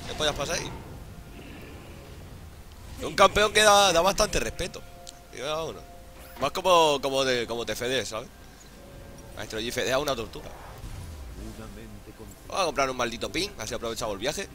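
A man's voice: medium pitch, lively intonation, moderate pace, pauses often, pushed and bright, soft background music. A hungover man with an accent from Spain giving casual, jokey, foul-mouthed gameplay commentary. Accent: Spanish (Spain). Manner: crude, jokey, profane slang. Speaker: gaming YouTuber.

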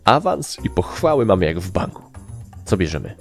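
A man's voice: deep voice, sing-song, moderate pace, gravelly, faint music behind, exaggerated voice. A man voicing a cocky little male sprite, a confident and grandiose sweet-talker in an audiobook. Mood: elated, cocky. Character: small male kobold-like sprite, cocky, scheming, sweet-talking. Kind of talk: audiobook character acting.

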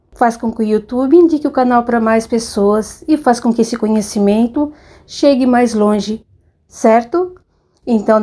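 Narradora de audiolivro de voz quente. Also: female voice, on the high side. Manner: friendly, even storytelling delivery. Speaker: audiobook narrator and channel host. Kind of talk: audiobook reading.

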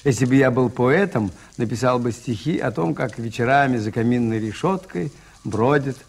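An actor playing a mild, wry, thoughtful Catholic priest detective in an early 1980s radio play, polite and understated. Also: male voice, mid-range voice, moderate pace, creaky. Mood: reflective, mild.

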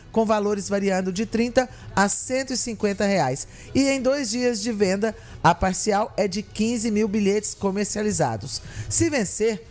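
A woman's voice: mid-range voice, a little mellow. A woman presenting sports news on the radio, reading the items steadily with brief asides. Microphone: studio mic with headphones.

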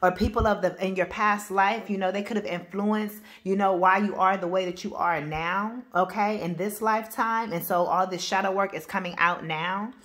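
A woman with AAVE speech giving a spiritual reading to camera, loud and powerful, blunt and emphatic, cursing freely and restarting her sentences. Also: mid-range voice, fairly even intonation, normal speed, hardly any pauses. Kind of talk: casual spoken reading to camera.

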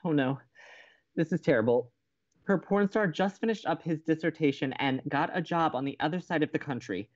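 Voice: mid-range voice, brisk, dull audio, lightly acted. An actor playing a dismayed, fretful young college radio co-host in an audio romantic comedy, with exasperated delivery. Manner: melodramatic, exasperated.

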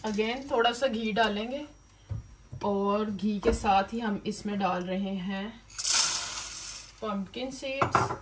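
A woman's voice: mid-range voice, slow, long pauses. A woman hosting a cooking video in her home kitchen, chatting through each step as she cooks. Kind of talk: casual cooking demonstration. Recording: distant mic with noisy kitchen background.

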